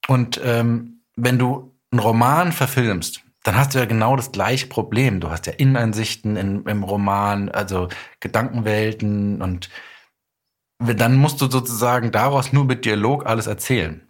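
A man's voice: medium pitch, fairly even intonation, normal speed. A man with a German accent talking reflectively as an interview guest, thinking aloud as he explains. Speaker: guest, radio drama author and director. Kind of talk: reflective casual podcast interview.

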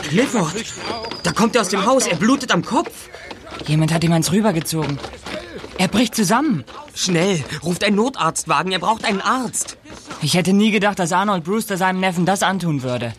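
A male actor playing an excited young detective in an audio drama. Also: high voice, moderate pace, noisy background. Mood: alarmed. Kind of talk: German radio play acting.

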